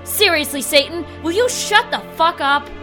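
Woman as a very high-voiced sarcastic young heroine. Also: animated, moderate pace, sharp tone, full character voice. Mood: sarcastic, defiant. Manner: sarcastic, defiant, blunt. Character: sarcastic, foul-mouthed young woman, reluctant demon-fighting warrior. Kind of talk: audio drama acting. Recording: music behind the voice.

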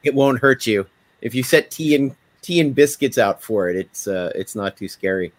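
A man's voice: medium pitch, normal speed. A man hosting a casual podcast over a video call, chatting with guests in a wry, lightly joking way. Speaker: podcast host. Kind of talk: casual chat, introducing guests.

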